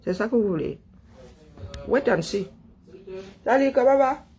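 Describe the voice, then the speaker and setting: A man's voice: extremely high pitch, expressive, measured pace, gravelly, a little mellow, faint music behind. A man from Cameroon, giving an impassioned political monologue full of emphatic repetition and rhetorical questions. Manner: emphatic, rhetorical questions, repeats phrases for effect. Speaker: online political commentator.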